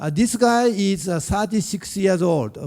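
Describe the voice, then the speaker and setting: With music in the background, a man speaks very slowly with a strong Japanese accent and ordinary pitch variation. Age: 50s. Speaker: spine surgeon. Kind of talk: health talk to seniors. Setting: talk at a mosque with audience. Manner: halting, many fillers.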